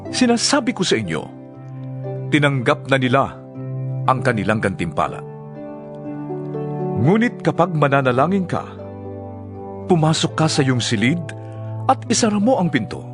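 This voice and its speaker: A man with a Filipino accent playing a solemn, earnest religious teacher in a dramatized scripture reading, with measured, declamatory delivery. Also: mid-range voice, big pitch swings, music in the background, close to an everyday voice. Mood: solemn, instructive. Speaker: voice actor.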